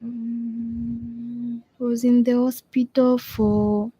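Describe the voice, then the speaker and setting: A woman's voice: fairly high pitch, monotone, drawn-out words, dark tone, slightly rough, no room sound, low-quality recording. A young woman with a Tanzanian accent, a native Swahili speaker, giving brief, hesitant answers as an interview guest.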